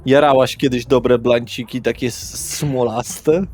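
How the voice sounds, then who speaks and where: A man's voice: medium pitch, steady tone, a little slow, a little mellow, faint music behind, lightly acted. A man voicing a young, naive party guy in an audio roleplay, chatty and pestering with slangy swearing. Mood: excited, chummy. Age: young adult.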